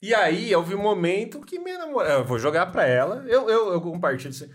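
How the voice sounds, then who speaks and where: A man's voice: high-pitched, sing-song, fast talker. A young man co-hosting a podcast, chatting casually, slangy and laughing often. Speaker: podcast co-host. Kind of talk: casual chat.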